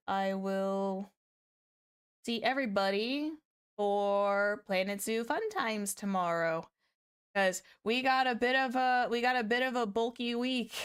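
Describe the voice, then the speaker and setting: Woman streamer, slightly hoarse, smooth clear tone, chatty, repeats herself. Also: mid-range voice. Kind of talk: casual livestream chat.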